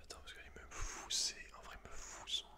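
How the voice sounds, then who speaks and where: Whispering man, ASMR reading. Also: moderate pace. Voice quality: breathy, unvoiced whisper. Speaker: ASMR video creator. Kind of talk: whispered ASMR, reading aloud with casual asides.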